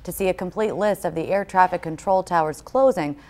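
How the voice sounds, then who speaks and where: A woman's voice: lowish voice, brisk, a little mellow. A woman with an American accent reading scripted news as a studio anchor.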